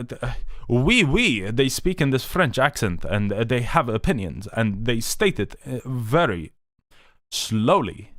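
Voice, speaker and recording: A young man talking casually on a live stream, eager and rambling, often restarting his sentences. His voice sits a little low, and the sound is dry and close with no room around it. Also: fairly bright tone, no room sound. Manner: rambling, enthusiastic, many restarts and fillers. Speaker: livestream host.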